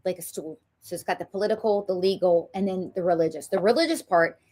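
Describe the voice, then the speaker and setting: A woman's voice: on the low side, quick pace, a little mellow. A woman with a Southern US accent, hosting a political talk show and speaking emphatically, with frequent ums. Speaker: show host.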